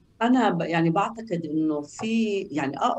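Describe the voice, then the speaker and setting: This is a woman speaking. Her pitch sits fairly low. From Palestine (48 Palestinian town near Lydda). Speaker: wife of a Palestinian prisoner. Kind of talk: interview.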